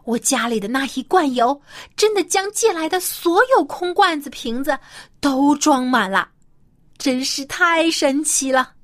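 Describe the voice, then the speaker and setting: A woman storyteller voicing a grateful, excitable widowed mother in a children's Bible story, earnest and exclaiming. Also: sits high, a little slow. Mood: excited amazement.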